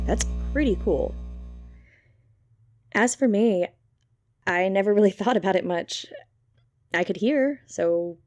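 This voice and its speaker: A woman's voice: lowish voice, darkish tone. A woman playing a reflective, wry character in an audio drama monologue, musing intimately.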